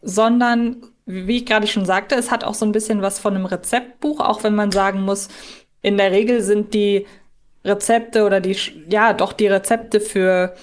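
A woman's voice: medium pitch, steady tone, moderate pace. A woman co-hosting a podcast in casual discussion, inquisitive and thinking aloud. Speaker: podcast co-host. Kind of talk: casual discussion between fans.

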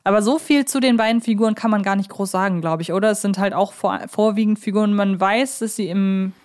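A woman's voice: medium pitch, fast, darkish tone. A woman hosting a podcast, talking casually and thoughtfully about fictional characters and searching for her words as she goes. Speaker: podcast host. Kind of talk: casual discussion of audio drama characters.

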